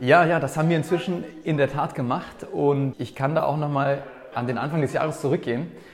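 A fairly high-pitched man with fairly even intonation at a fairly quick pace, amid noticeable background noise. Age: 30s. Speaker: public relations officer at a foreign ministry. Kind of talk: interview. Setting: museum cloakroom area.

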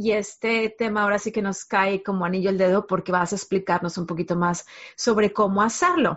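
A woman's medium-pitched voice with a northern Mexican accent, fairly quick and monotone, with flat intonation. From northern Mexico. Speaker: podcast host and money coach. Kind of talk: interview.

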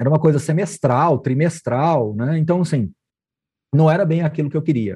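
A man with a fairly high pitch and a dark, mellow tone speaks somewhat breathily at a moderate pace, with ordinary pitch variation. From Brazil, Goiás (Morrinhos). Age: 40s. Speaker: finance educator, real estate fund expert. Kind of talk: interview.

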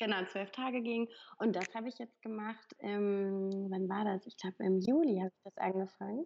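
Using an ordinary speaking voice, a woman of medium pitch talks at a moderate pace with ordinary pitch variation and big swings in loudness. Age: 30s. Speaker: former smoker, client of a quit-smoking program. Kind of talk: interview.

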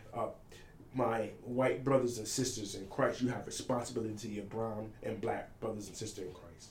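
A man with an American accent, big swings in loudness and noticeable background noise. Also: medium pitch for a man, moderate pace. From US South, Brunswick, Georgia. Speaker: faith podcast host. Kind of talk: sermon-style podcast monologue. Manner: animated, repetitive emphasis.

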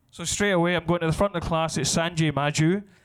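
This man has a Glaswegian accent and a high-pitched voice. The recording is very clean, with total silence behind him. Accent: Glaswegian Scottish. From Glasgow, Scotland. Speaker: comedian. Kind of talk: stand-up. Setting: stage with audience.

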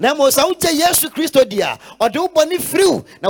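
The voice has an animated tone over noticeable background noise. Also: man. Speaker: pastor. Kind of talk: sermon. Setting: outdoor church crusade.

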